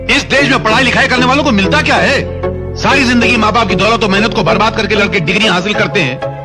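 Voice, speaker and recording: A man's voice: high-pitched, quick pace, music in the background. A man making a bitter, rhetorical motivational speech.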